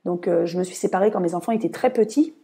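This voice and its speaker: A woman's voice: lowish voice, fast talker, creaky, warm tone, breathy edge. A woman hosting a podcast, explaining her views in an earnest, casual monologue. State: tired. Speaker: podcast host.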